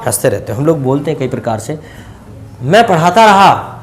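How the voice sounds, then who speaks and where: A man with an Indian accent teaching English grammar to a class, repeating example sentences and stretching out the English ones very slowly, with chatty asides to his students. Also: a little high, big pitch swings.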